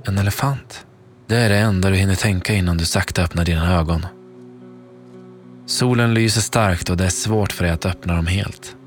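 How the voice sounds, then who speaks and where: Male narrator, low voice, slow hushed dramatic reading, music bed underneath. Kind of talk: second-person scripted audio story narration. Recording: narration over clear background music.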